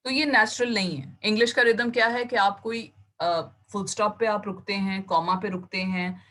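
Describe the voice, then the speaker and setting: A woman's voice: mid-range voice, fairly even intonation, moderate pace, pushed and bright. A woman teacher giving an online class, explaining terms step by step and mixing English words into her Urdu. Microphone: computer mic on a video call.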